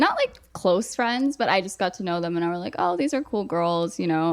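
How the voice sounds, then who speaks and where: Captured in a very clean recording with a silent background, a woman with an American accent has a medium pitch, a plain, everyday voice, and lively intonation. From mixed: London, Singapore, US. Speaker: podcast guest. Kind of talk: interview answer.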